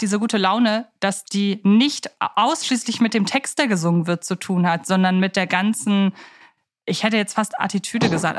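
A woman hosting a podcast interview in a conversational, wordy way, often searching for her phrasing. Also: medium pitch. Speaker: podcast host.

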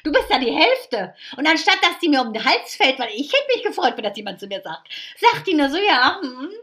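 A woman's voice: high-pitched, very animated, fairly quick, bright, forceful tone. A woman with a German accent co-hosting a podcast in casual chat, a blunt and outspoken storyteller. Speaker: podcast co-host.

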